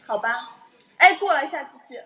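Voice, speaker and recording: A woman's voice: high-pitched, lively intonation, a little fast, sharp tone, slight background noise. A young adult woman chatting casually on a livestream and telling stories animatedly with frequent laughs.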